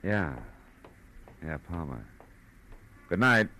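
A man's voice: low voice, sing-song, slow, noisy background, full character voice. An actor playing a hard-boiled Los Angeles private detective in a 1940s radio drama, telling his story in a terse, world-weary way. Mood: probing. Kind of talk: 1940s radio acting, first-person noir narration. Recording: old radio drama with music bed.

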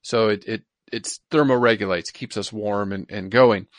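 A man's voice: lowish voice, steady tone, normal speed, no room sound, clean studio sound. A man co-hosting a podcast, explaining science in an informal, chatty way and often repeating himself. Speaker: podcast co-host. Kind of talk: casual science chat.

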